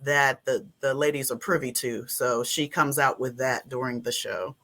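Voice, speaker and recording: A woman guest introducing herself in an interview, measured and polite. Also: very deep voice, steady tone, a bit bright. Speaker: stage actress, guest.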